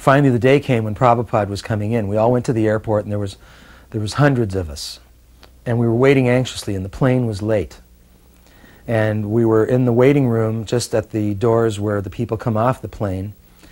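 The man talks at a fairly quick pace. His intonation is fairly even. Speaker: interviewee. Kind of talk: interview answer. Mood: emotional, joyful recollection. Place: studio. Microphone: lapel.

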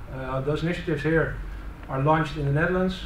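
Over light background noise and audible room echo, a man speaks with fairly even intonation. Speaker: conference presenter. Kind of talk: talk answering audience question. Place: meeting room. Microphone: camera far.

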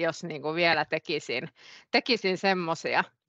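A woman with an Oulu accent speaks at a fairly slow pace and a fairly low pitch, the sound dry and close with no echo over a quiet background. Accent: northern Finnish (Oulu) dialect. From Finland, Oulu. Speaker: trainer. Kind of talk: online training session. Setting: video call.

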